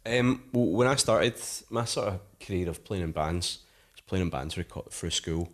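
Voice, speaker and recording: Here a musician from Scotland, in his thirties, talks casually as an interview guest, wandering from point to point with plenty of "like" fillers. His voice is low and his pace is normal.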